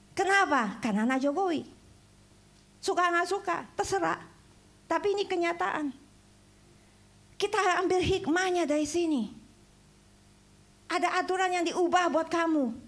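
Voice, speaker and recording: High-voiced animated woman preaching. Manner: animated, mixes English phrases, rising to exclamations. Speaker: evangelist preacher. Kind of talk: sermon. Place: church.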